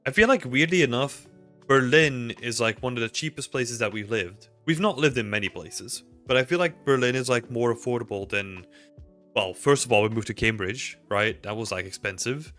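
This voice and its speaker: Bright-voiced Belgian man chatting casually. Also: mid-range voice, normal speed, soft background music. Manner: rambling, filler-heavy, answers chat questions. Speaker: livestream host. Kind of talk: casual livestream chat with viewers. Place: small home room indoors. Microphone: desk mic with headphones.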